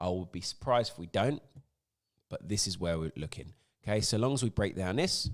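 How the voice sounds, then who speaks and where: A man with fairly low pitch talks at a fairly quick pace in an animated tone with lively intonation, on a very clean recording with a silent background. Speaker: crypto market analyst. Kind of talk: market analysis livestream. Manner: fast.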